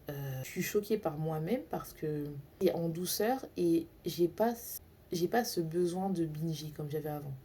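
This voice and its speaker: A woman's voice: low voice, warm tone, slight background noise. A woman mindset coach in a casual vlog, chatting in a confiding way and talking straight to the viewer with plenty of filler phrases. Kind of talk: casual self-help vlog to camera.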